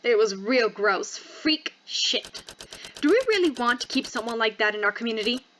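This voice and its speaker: A woman plays a powerful, swaggering enforcer in a visual novel. She is smug and casual, taunting with mean jokes in a bright, forceful voice over some noise. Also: on the high side, expressive, moderate pace.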